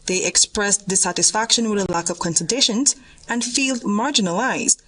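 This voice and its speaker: A female news reporter from Guyana, reading a voice-over report in a measured, formal way. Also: medium pitch, sharp tone, low-quality recording.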